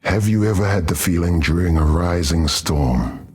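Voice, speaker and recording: Husky, brooding tribal man. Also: sits low, moderate pace, darkish tone. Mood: brooding, ominous. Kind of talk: fantasy game character monologue.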